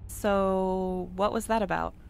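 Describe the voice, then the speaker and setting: A woman's voice: medium pitch, little pitch movement, slow pace, darkish tone, a little hiss or hum. A woman playing a prim, well-meaning courier in an audio drama, speaking in an earnest, careful, businesslike manner. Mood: probing. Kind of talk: naturalistic audio drama acting.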